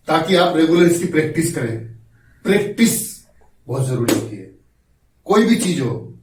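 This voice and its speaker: Higher-voiced acting teacher, echoey room. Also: male voice, darkish tone. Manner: explains slowly, coaxing students, acts out examples. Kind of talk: acting class instruction. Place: acting class room, indoors. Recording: roomy echo from far off, faint noise.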